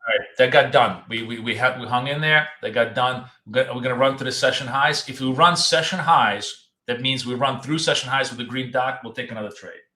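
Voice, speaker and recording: This is a US man hosting a trading show live from his city-apartment home office, rambling casually, repeating words and losing his voice. His medium-pitched speech runs a little fast with few pauses and fairly even intonation. The tone is sharp, and the recording is reverberant.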